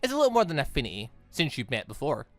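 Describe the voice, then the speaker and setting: A man plays a composed older male mentor from a visual novel, formal and measured. He sits lower in pitch and softer, politely keeping things back, in a dry close sound. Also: huge pitch swings, no room sound, faint music behind. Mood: dryly amused. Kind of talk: reading visual novel dialogue aloud.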